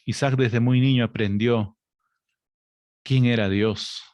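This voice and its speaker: A man preaching a sermon, speaking to the congregation as brothers and sisters, reading scripture slowly and building up to emphatic, raised passages. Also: medium pitch, fairly even intonation, darkish tone, dry recording. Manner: reads scripture aloud with slow, stressed delivery.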